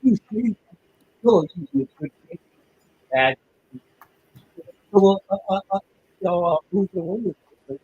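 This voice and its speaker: Male sports co-host, slightly high voice, rambling talker, heard through a garbled underwater-sounding connection that drops in and out. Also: animated, a little slow, pauses often, a little mellow, breathy edge, muffled recording. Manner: rambling, talks in long run-on stretches. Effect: garbled underwater-sounding connection cutting in and out. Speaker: co-host of a morning sports show. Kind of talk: casual sports talk.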